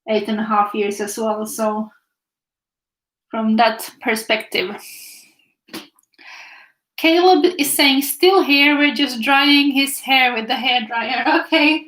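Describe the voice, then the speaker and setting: Finnish lady chatting to her stream while painting, kinda high voice, echoey room. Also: a bit bright. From Finland. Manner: chatty, reads viewer comments aloud. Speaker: art teacher streaming live. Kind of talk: casual chat while painting.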